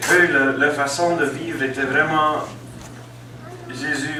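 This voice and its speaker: This man talks at a very slow pace with fairly even intonation. There is noticeable background noise and audible room echo. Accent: Dutch. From Netherlands. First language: Dutch (speaking French). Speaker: missionary. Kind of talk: testimony. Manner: halting.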